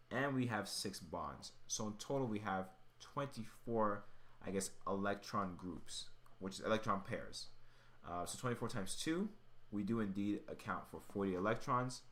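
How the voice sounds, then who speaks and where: A man with a fairly low voice works through an explanation as a tutor would. He takes it step by step in an informal way, thinking aloud as he goes. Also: a bit bright. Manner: thinking aloud while working. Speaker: chemistry tutor.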